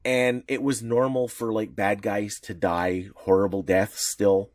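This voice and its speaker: Podcast co-host, male, low voice, dry close sound, rambling casual delivery. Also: fairly even intonation, measured pace, a little mellow, no echo. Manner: rambling with many fillers and restarts. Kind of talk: casual chat about comics history.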